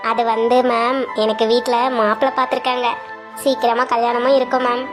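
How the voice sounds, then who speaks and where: A woman's voice: a little high, little pitch movement, fairly quick, pitched below the performer's own voice, close to an everyday voice. A woman voicing a shy, polite young woman who speaks bashfully. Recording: soft music underneath.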